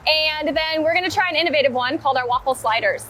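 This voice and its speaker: A woman on a diner's staff walks through the menu items in short, friendly answers and laughs easily. Her voice sits a little higher than most. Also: quick pace, a bit bright. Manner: brief, friendly, laughs often. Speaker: restaurant staff. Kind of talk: casual chat.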